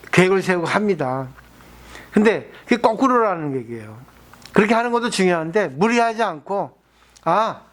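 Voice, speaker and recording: High-voiced monk giving a patient dharma talk. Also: male voice. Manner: explains patiently, asks listeners rhetorical questions. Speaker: Buddhist monk.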